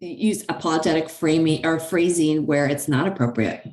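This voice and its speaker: Woman host, low-ish voice, soft and enthusiastic, roomy echo. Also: normal speed. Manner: enthusiastic, soft-spoken, trails off when thinking. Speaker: podcast host. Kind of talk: casual interview chat.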